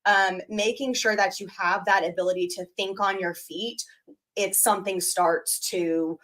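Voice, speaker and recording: A woman co-hosting a live podcast, talking in a lively, animated way and reading out viewer comments. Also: medium pitch, unhurried. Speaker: podcast co-host. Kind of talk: casual live podcast chat.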